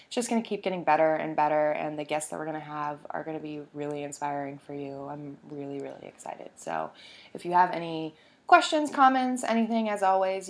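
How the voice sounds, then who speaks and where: A woman hosting a podcast in a casual, upbeat way, her voice hoarse from being sick, recorded in a home basement. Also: sits low. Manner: chatty and upbeat, with many fillers. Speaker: podcast host. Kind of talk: casual podcast chat and phone interview.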